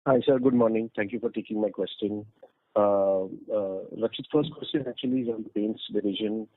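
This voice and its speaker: A man with an Indian accent asking questions as an analyst on a conference call, polite and somewhat halting. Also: lowish voice, no room sound. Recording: dry, tinny phone line.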